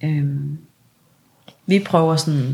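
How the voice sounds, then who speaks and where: The woman's pitch is very deep and low. Her voice is somewhat breathy. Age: 20s. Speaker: bereaved parent. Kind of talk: testimony.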